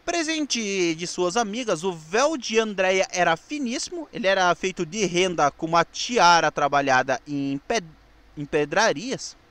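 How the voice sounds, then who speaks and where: High-pitched, animated Brazilian man narrating. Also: moderate pace, no echo. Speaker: presenter of a TV history show. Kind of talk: scripted narration about television history.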